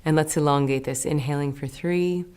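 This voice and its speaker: Woman meditation teacher, low-pitched, calm guiding delivery with gentle whispered cues. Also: clean tone. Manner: slow, soothing, gentle instructions with soft whispered words. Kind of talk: guided meditation.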